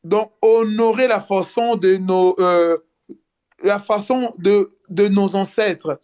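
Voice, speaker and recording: A man speaking as a guest in a casual live video chat, earnest and halting, with many restarts. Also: high voice, steady tone, darkish tone, smooth. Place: in France.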